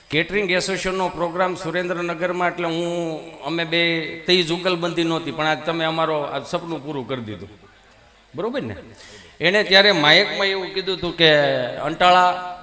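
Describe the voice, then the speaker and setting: A man's voice: on the high side, big-room sound. A man telling folk comedy stories to a live audience on a stage microphone. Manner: lively, conversational, addresses the audience. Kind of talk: stand-up folk comedy storytelling.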